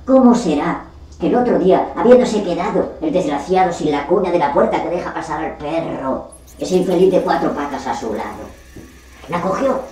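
A woman performing a theatrical monologue as a discarded literary character, bitter, self-pitying and indignant, lamenting with dramatic pauses. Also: on the low side, mellow. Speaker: actor rehearsing a monologue. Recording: distant mic, echoey room, faint noise.

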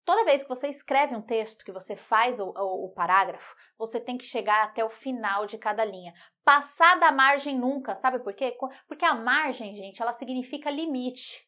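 Lively, teasing woman teacher. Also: fairly high pitch, normal speed, hardly any pauses. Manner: lively, teasing, talks straight to the student with rhetorical questions. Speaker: Portuguese writing teacher. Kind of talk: online video lesson.

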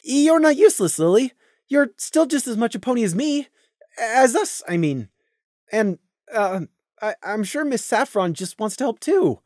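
A woman's voice: on the high side, very animated, normal speed, warm tone, no echo, studio quality, voice pushed up. A woman as a timid, hesitant pony friend. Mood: uncertain, soothing. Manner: hesitant, weakly placating. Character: timid, well-meaning pony friend, uncertain.

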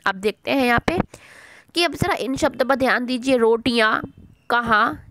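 A woman's voice: high-pitched, lively intonation, normal speed, background noise. A middle-aged woman teacher giving an online language lesson to children, patiently repeating words and asking and answering her own questions.

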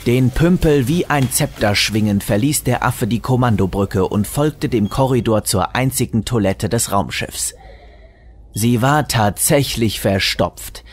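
A man's voice: medium pitch, measured pace, slightly rough. A man narrating a scripted comic story in a wry, tongue-in-cheek manner.

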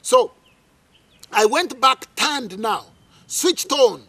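In a very high, very slow voice, a middle-aged man from Uganda recounts his life dramatically for an interviewer, using lots of fillers. He's recorded dry on a lapel mic outside beneath a tree.

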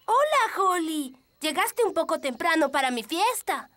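A woman's voice: extremely high pitch, big pitch swings, measured pace, fairly bright tone, exaggerated voice. A woman voicing a polite, cheerful little elf boy in a children's cartoon, with a Latin American Spanish accent. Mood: cheerful, expectant.

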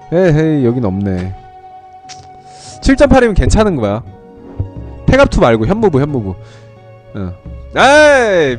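A young man chats his way through a live game stream, talking straight to his viewers as he bargains and counts in-game money. His voice sits a little high and swings up and down freely. Faint music plays under his talk. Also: a little mellow. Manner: chatty, talks to viewers while trading. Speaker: streamer playing an online game.

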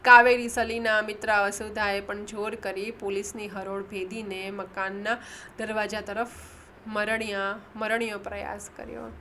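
A woman reads a novel chapter aloud in a bright, forceful voice, giving the characters' shouts extra punch and stopping now and then to correct a slip. A faint hiss sits under the reading. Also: medium pitch, little pitch movement, measured pace. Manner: reads dialogue with raised emphasis, corrects own slips. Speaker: audiobook narrator. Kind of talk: audiobook reading.

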